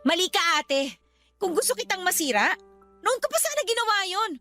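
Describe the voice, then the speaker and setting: A wounded younger sister who fights back with sarcasm, her voice very high and bright. Faint music plays beneath her. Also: very animated, normal speed, heavily acted. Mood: firm. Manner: bitter, cutting. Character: hurt younger sister standing up to her elder. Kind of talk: Tagalog radio drama acting.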